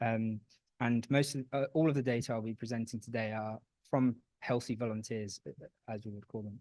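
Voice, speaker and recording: A man speaks with a British accent at a fairly quick pace. His intonation is fairly even, and the sound is dry and close with no echo. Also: medium pitch for a man, quiet background. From UK. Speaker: research scientist. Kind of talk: conference talk. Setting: conference room with audience. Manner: halting, many fillers.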